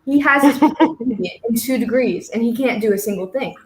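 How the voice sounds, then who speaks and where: A woman's voice: a little high, normal speed, a little mellow, a little hiss or hum. A young American woman in her twenties, a college student guest, telling a story casually with lots of fillers. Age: 20s. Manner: rambling, filler-heavy storytelling. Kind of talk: casual conversation. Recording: roomy echo.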